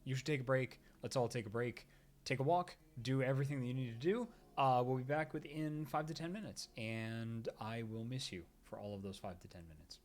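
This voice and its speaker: A man's voice: mid-range voice, brisk, darkish tone. A man streaming a visual novel, chatting casually and reading the characters' lines aloud. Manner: playful, chatty, voices the characters. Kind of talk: live game stream commentary.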